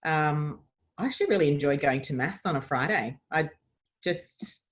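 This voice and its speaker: A woman's voice: low-pitched, expressive, moderate pace. An Australian woman in her forties, a podcast guest chatting casually and upbeat about her childhood. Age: 40s. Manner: chatty and upbeat, given to reminiscing. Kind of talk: casual interview chat.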